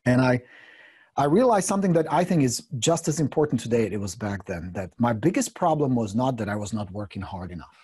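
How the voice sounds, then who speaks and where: This Czech-accented man in his fifties is a guest real estate coach sharing his story candidly in a video interview, blunt and joking, swearing now and then and gesturing a lot. His medium-pitched voice is fairly quick, mellow and husky, with lively intonation. He speaks into a desk condenser microphone in an indoor studio room with a brick wall.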